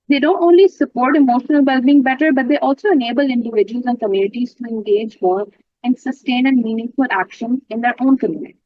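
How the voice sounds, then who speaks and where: A woman's voice: fairly high pitch, dry recording. A woman from Pakistan, a native Urdu speaker, presenting mental health research at a conference in an explanatory way. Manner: explanatory, clarifies terms, occasional fillers. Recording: dull lo-fi dry sound.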